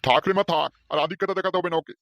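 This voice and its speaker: A man's voice: sits high, racing, a bit bright, no room sound, studio quality. A man voicing a stingy, scheming old father-in-law in a cartoon who whines and wheedles. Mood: wheedling. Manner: wheedling, self-pitying. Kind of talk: cartoon voice acting.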